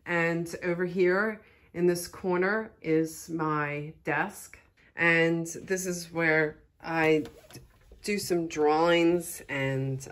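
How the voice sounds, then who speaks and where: A middle-aged woman with a Philadelphia American accent, chattily explaining things as she gives an informal studio tour. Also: lowish voice. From Philadelphia, United States. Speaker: artist and studio tour host.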